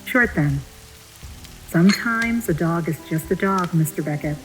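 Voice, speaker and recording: An actress playing a courteous, enigmatic female attendant in an audio drama, with a gentle and knowing manner. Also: on the low side, a little slow, soft background music, poor audio. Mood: knowing, amused.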